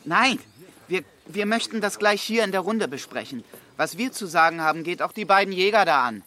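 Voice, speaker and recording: An actor playing an insistent, sardonic camp leader turned amateur sleuth in an audio crime drama, pointed and accusing. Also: male voice, high-pitched, animated, brisk, sharp tone. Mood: urgent.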